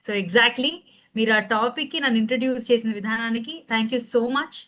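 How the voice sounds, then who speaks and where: A woman trainer with a Telugu Indian accent talks in a fairly high voice. She runs an interactive session in a conversational way, questioning her listeners and slipping between her language and English. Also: moderate pace, a bit bright. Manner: conversational, questioning the audience, code-switching into English.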